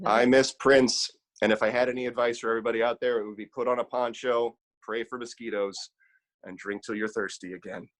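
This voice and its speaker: A man in his forties co-hosting a podcast, rambling in casual chat with halting restarts and self-deprecating jokes. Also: mid-range voice, fairly even intonation, rough recording. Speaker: podcast co-host.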